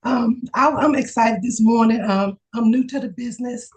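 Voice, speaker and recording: Hoarse excited woman on a video call. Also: a little high, normal speed. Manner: excited, testimonial chat with laughs. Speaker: insurance agent. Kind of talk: casual video call chat.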